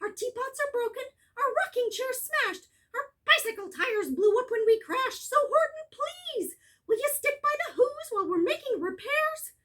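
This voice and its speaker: A tiny, squeaky little male mayor from a storybook, as a woman reader puts him on, chirping his thanks from a speck of dust. His voice sits extremely high and comes out soft and small. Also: animated, moderate pace. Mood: pleading. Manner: squeaky and grateful.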